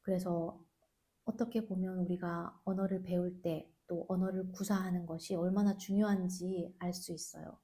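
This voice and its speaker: Woman, language-teacher podcast host, low-ish mellow voice, gentle explainer. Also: fairly even intonation, moderate pace. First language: Korean. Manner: soft, thoughtful, asks listeners questions.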